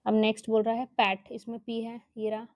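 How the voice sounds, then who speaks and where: A woman's voice: on the high side, completely flat delivery, brisk, no echo. A woman teaching children a workbook lesson, explaining each step patiently and often checking with okay, with an Indian English accent.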